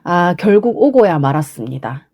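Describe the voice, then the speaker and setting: A woman's voice: lowish voice, sing-song, normal speed, a little mellow. A woman podcast host talking casually on her own, congested and nasal from a cold. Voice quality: heavily congested, stuffed-nose nasal voice. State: has a cold, sniffling and throat-clearing. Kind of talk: casual solo podcast monologue.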